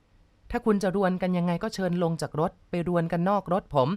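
A frightened man behind the wheel, slow and strained, pleading with his passengers, as a woman narrator plays him. The voice is dry and close to the mic. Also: lowish voice, a little mellow, dry recording, natural voice. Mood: firm. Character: nervous male taxi driver, firm but scared.

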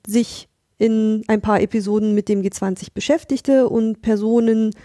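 A woman's voice: mid-range voice, dark tone, no room sound, clean studio sound. A woman co-hosting a podcast, speaking casually in a recorded message with a recommendation. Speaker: podcast co-host.

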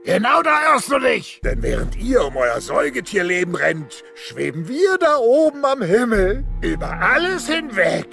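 Hämischen Dino-Vogel-Vater. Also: male voice, very high voice, very animated, normal speed, gravelly, bright, forceful tone, soft background music, full character voice. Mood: sneering. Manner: cackling, sneering. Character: gloating villainous male dino-bird father, arrogant.

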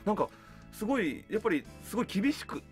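A male radio host speaks quickly in a slightly high, very mobile voice. He chats politely and attentively in a studio, with faint music in the background. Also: big pitch swings. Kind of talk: casual hosting chat. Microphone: studio boom microphone.

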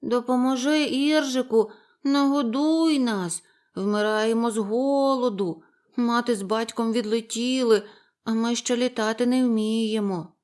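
A woman's voice: fairly high pitch, measured pace, darkish tone, lightly acted. A woman voicing two hungry baby ravens in a storybook, with a raised, plaintive voice. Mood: pleading.

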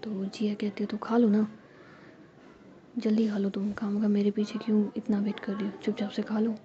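Whispering woman with a dark tone. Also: medium pitch, monotone. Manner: soft unvoiced whisper, acting out quick dialogue. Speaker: storyteller. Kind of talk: whispered story narration. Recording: dull lo-fi sound.

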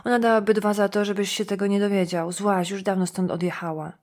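A woman's voice: medium pitch, flat delivery, fairly quick, darkish tone, close to an everyday voice. A woman reading an audiobook, voicing a blunt, wisecracking male detective who has run out of patience. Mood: impatient. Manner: blunt, impatient.

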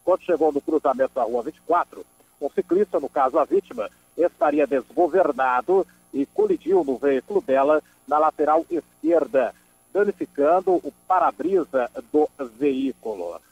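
Husky police-news reporter, a man. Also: fairly high pitch, huge pitch swings, normal speed, a little mellow, no echo, rough recording. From Brazil. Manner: emphatic, repeats phrases for stress, conversational asides. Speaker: police-beat radio reporter. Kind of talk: police news bulletin, semi-improvised reporting. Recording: dry voice over background music. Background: background music.

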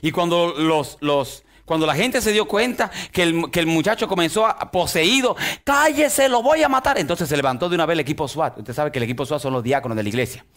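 A man preaching a sermon as pastor, swinging from loud outbursts to soft drawn-out words. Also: on the high side. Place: church.

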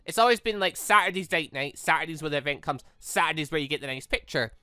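A man giving casual, animated game commentary as he thinks aloud in a rambling, expressive way. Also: fairly high pitch, fast, clean tone, no room sound. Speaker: gaming channel host. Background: background music.

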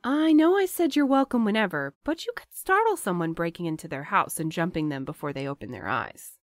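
A woman's voice: on the low side, sing-song, fairly quick, no echo. An actress playing a drowsy, teasing, wary young woman who banters dryly in an audio drama. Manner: dry, bantering.

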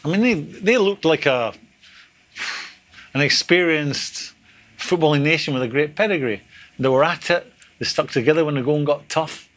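Measured older pundit. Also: male voice, on the high side, fairly bright tone. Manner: measured, searching for words. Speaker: football pundit. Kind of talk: post-match studio analysis. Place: TV studio above a stadium. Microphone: lapel.

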